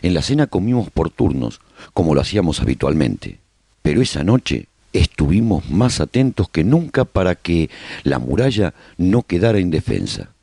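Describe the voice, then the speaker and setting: A man's voice: sits low, very animated, moderate pace, vocal fry, a little mellow, slightly rough, dry recording, studio quality, heavily acted. A man playing a survivor who hosts a radio broadcast, narrating a post-apocalyptic chronicle as a scripted radio serial. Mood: solemn, proud.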